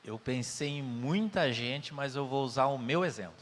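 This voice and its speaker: A man's voice: medium pitch, moderate pace, a little hiss or hum. A man with a Brazilian Portuguese accent giving an earnest spiritist talk, telling stories with quoted dialogue. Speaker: spiritist lecturer. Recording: reverberant hall.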